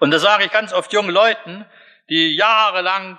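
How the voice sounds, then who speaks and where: A man speaks in a raised, projected voice at a high pitch. His pitch variation is ordinary. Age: 60s. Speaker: lay preacher. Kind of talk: sermon.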